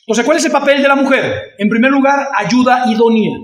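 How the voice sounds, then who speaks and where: A man's voice: very high voice, fairly quick. A male pastor with a Venezuelan Spanish accent, preaching a sermon and asking the congregation questions. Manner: acts out shouting voices in anecdotes. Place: church. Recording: echoey church from far off.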